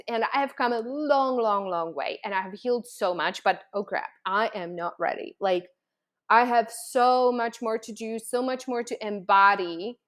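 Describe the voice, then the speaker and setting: A woman from the Czech Republic, talking casually to viewers as a coach, telling personal stories in a chatty, animated way full of "like"s. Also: fairly high pitch. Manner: chatty, animated storytelling with many "like"s.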